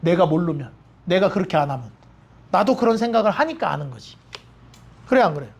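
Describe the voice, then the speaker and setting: A man's voice: high voice, very animated, a little fast, creaky. A male pastor preaching a sermon in a church, blunt and plain-spoken, mixing jokes into stern points. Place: church sanctuary.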